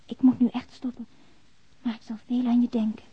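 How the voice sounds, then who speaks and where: Breathy, tender young woman, high-voiced. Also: flat delivery, a little fast, dry recording, lo-fi sound. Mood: tender apology. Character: tender young woman reading her farewell letter. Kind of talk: radio drama, voiced letter.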